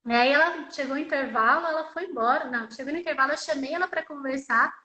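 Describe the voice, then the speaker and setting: Speaking high, fast, bright, and forceful, a woman gives live first-person voice to a deaf signer's personal story. Her conversational rendering is full of tag questions and repeated phrases, and the sound is roomy and poor.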